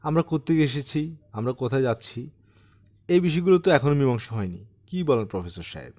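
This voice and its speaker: A man's voice: medium pitch, lively intonation, a little fast, warm tone, lightly acted. A man voicing a talkative, bookish retired old widower in an audiobook, courteous, insistent and conversational. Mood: eager, courteous.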